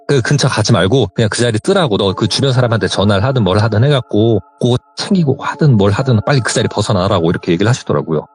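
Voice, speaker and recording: Animated man retelling a story by phone. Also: on the low side. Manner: animated retelling, quoting others in dialogue. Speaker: caller telling a true ghost story.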